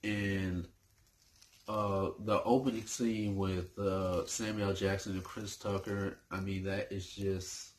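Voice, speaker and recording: A man's voice: low-pitched, level tone, slow, a little hiss or hum. A man chatting casually about his favorite movies for his channel, hesitant and full of fillers and restarts. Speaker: movie review YouTuber.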